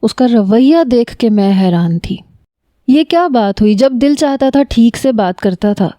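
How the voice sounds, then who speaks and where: A woman's voice: on the high side, warm tone, no echo, studio quality. A woman narrating a first-person story in an emotional, confiding manner.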